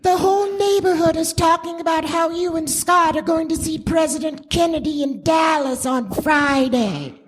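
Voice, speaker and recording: A woman playing a gossipy, nosy 1960s housewife neighbor in a staged radio play parody, loud and gushing. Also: extremely high pitch, moderate pace, few pauses.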